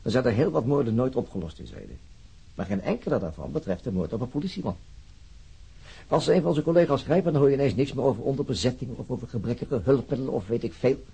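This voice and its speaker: A man playing a terse, sceptical police inspector in a crime radio drama, matter-of-fact and husky. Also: mid-range voice, very animated, fast, dark tone, exaggerated voice. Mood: insistent.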